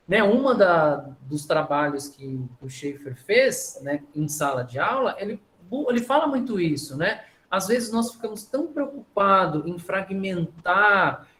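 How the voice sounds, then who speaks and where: A man leading a training session for art teachers, explaining ideas with rhetorical questions. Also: high-pitched.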